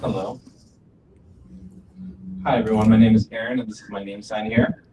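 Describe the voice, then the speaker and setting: A man voicing deaf panelists' introductions as a sign language interpreter, speaking calmly in short phrases. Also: lowish voice, moderate pace. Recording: dull, distant, echoey, faint ambient noise.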